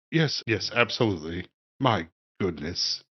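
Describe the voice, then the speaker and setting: A man in a put-on character voice with a very deep, low pitch and a moderate pace. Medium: actual play.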